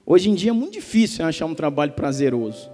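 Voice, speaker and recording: A Brazilian pastor preaching with emphatic swings between hushed and loud passages. His voice is mellow and sits a bit high. It rings in a long church reverb over soft music. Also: big pitch swings, fast. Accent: Brazilian Portuguese. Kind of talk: sermon.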